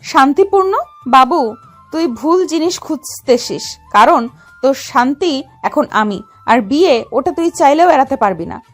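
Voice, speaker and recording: A woman's voice: sits high, expressive, unhurried, soft background music. An actress playing a young, possessive female mafia don who speaks in a domineering, teasing way in an audio drama. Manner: domineering, teasing, calls him baby.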